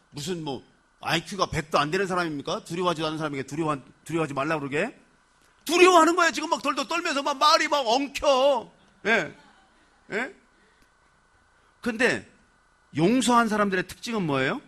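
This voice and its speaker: Korean pastor guy preaching, high bright voice, jumps all over in pitch, chatty with the church. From Chungcheong, Korea. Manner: animated and conversational, acting out people's words; asks the congregation questions. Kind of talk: sermon.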